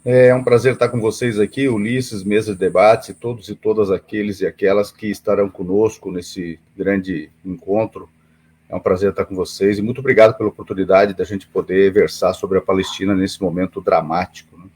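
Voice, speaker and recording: A man's voice: on the low side, steady tone, fairly quick, darkish tone, slightly rough. A middle-aged man, explaining things as an interview guest in formal, wordy phrasing. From Paraná, southern Brazil. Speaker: interview guest, association president.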